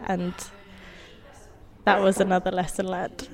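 With a lowish, creaky, monotone voice, a woman tells a story from her own life in an unhurried, wry manner, laughing softly. She was born in Indonesia and grew up speaking Indonesian first.

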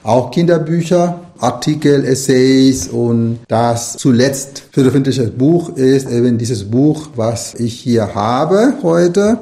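Nicaraguan guy, spanish native, middle-aged, gravelly mellow voice, rambles thoughtfully in an interview. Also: mid-range voice, slow, hardly any pauses. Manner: thoughtful, rambling, many restarts and fillers. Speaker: author and language lecturer. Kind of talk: interview answers.

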